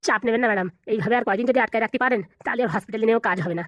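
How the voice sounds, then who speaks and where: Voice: medium pitch, racing, lightly acted. A performer voicing a crafty male lawyer in a cartoon comedy, offering slick, confident reassurance.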